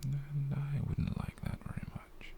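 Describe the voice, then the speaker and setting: Male actor as British yandere lover, ASMR roleplay: slow half-whisper, coaxing, theatrical, clingy and quietly menacing. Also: mid-range voice, monotone, creaky. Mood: teasing, possessive. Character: possessive, doting, menacingly sweet yandere boyfriend.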